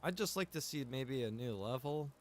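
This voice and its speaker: Male game streamer, mid-pitched, casual and rambling, with audible background noise and ambience. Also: lively intonation, moderate pace. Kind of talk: casual live-stream chat while gaming.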